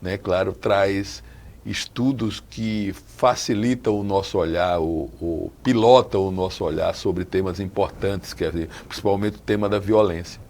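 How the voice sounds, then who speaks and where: Talk show host, man in his sixties, gravelly, chatty, studio interview. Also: deep voice, steady tone, a little slow, darkish tone. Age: 60s. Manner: chatty, restarts often, asks follow-up questions. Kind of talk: casual interview chat.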